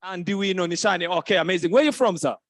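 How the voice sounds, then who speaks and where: A man's voice: sits high, rapid-fire, fairly bright tone, no echo. A man hosting a live youth event, playfully teaching the crowd greetings and repeating phrases back to them. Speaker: event host. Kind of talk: lively crowd interaction. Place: conference hall stage.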